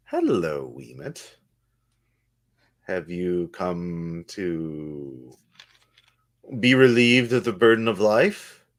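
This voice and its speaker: Loud and in a put-on character voice, a man speaks with a very deep, low pitch. His pace is very slow with long, frequent pauses, in a very clean recording with a silent background. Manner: controlled, calm, ominous.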